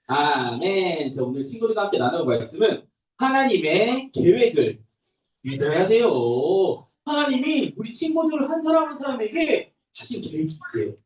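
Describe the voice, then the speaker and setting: A young adult man who is a pastor, telling a Bible story to toddlers in a sing-song, animated way. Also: high voice, normal speed, a little hiss or hum. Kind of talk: children's sermon. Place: church room. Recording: echoey room, voice from a distance.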